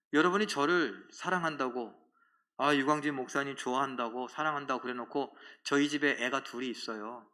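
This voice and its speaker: Man, pastor's sermon, bright forceful voice, fairly high, emphatic, from loud to hushed. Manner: animated, emphatic preaching with sudden drops to quiet. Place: church sanctuary.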